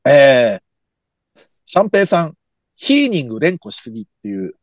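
A man's voice: medium pitch, a little slow, dry recording, studio quality. A man hosting a casual podcast, reading listener messages aloud and joking along with his co-host. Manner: lively, reads messages aloud with jokey asides. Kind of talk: casual chat.

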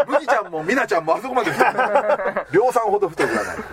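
A man with a high, lively voice who teases the others in casual chat and laughs often. A busy background of voices carries behind him. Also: quick pace, crowd noise.

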